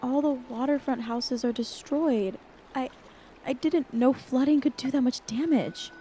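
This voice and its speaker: A woman's voice: high voice, unhurried, mellow, slight background noise. An actress playing a worried young woman in an audio drama, hesitant and subdued in a naturalistic way. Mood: shaken, weary. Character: worried young woman returning to her damaged hometown.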